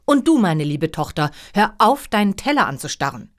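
A woman voicing an exasperated, imperious king and father in a storybook, with a loud, commanding, scolding manner. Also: medium pitch, sing-song, a little slow, pitched above the performer's own voice.

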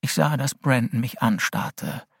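A man's voice: medium pitch, a little slow, gravelly, a bit bright, husky, no echo, clean studio sound. A man reading an audiobook aloud as narrator.

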